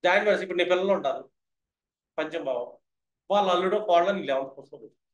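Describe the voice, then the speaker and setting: A man's voice: high-pitched, very fast, roomy sound. A man teaching astrology in a lecture style, who keeps asking his listeners whether they have understood.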